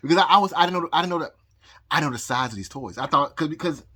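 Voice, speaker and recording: Bright-voiced man rambling, halting speech. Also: fairly high pitch, lively intonation. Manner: halting, repeats words, frequent pauses and nervous laughs. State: out of breath. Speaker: vlogger. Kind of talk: rambling personal story to camera. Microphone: phone recording.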